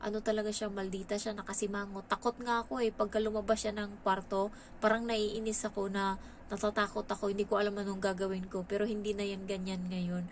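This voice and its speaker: A woman from the Philippines chatting casually in a storytelling vlog, lively and animated as she quotes the people in her story. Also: medium pitch, fairly quick, a little hiss or hum. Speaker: vlogger, domestic helper.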